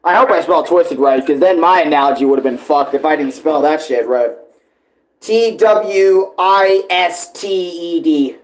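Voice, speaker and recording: A man doing casual live reaction commentary as a streamer, talking in an animated, slangy way full of swearing. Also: on the high side, measured pace, poor audio.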